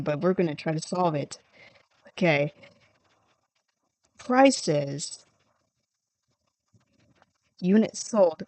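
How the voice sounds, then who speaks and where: A woman with a lowish voice talks casually on a livestream, rambling and poking fun at herself as she thinks aloud. Her voice is starting to tire. The sound is dry and close, with no room around it. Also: dry recording. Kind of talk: casual livestream chat while coding.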